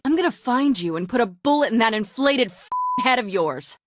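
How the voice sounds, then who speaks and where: A woman playing a furious young warrior princess, shouting aggressive threats in video game voice acting. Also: on the high side, lively intonation, normal speed, noisy background, lightly acted.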